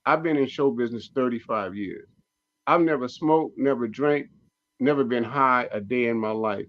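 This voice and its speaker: A man's voice: medium pitch, moderate pace, lo-fi sound. A man in his sixties, a comedian guest on a talk show, speaking emphatically and repeating his points. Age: 60s. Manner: emphatic, preachy, repeats phrases. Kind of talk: casual radio talk show discussion.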